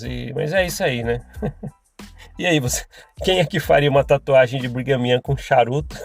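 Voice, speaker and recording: A man's voice: mid-range voice, vocal fry, darkish tone. A Brazilian man hosting a podcast and talking casually, rambling with restarts and chuckles. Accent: Brazilian Portuguese. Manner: chatty, rambling, with frequent restarts and laughs. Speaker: podcast host.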